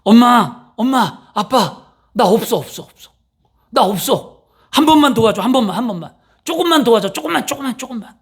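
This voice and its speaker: A whining grown child begs his parents for help again and again, voice pitched up high and pleading, as a man acts him out. The pleading keeps circling back on itself. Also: expressive, fairly quick, slightly rough, heavily acted. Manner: pleading, repetitive. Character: whining adult child begging parents for money.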